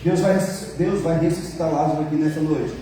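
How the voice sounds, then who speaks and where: A man's voice: a little high, fairly even intonation, a little fast, background noise. A man with a Brazilian accent preaching a sermon to his church, joking with the congregation and acting out the dialogue he tells. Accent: Brazilian Portuguese. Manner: jokes with the congregation; acts out quoted dialogue. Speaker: pastor. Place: church hall. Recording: very echoey hall, mic far off.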